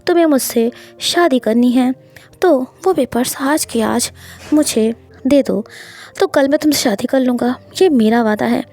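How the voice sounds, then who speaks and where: A woman voicing a scheming, possessive young husband who speaks firmly and calmly. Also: high-pitched, a little slow. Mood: commanding.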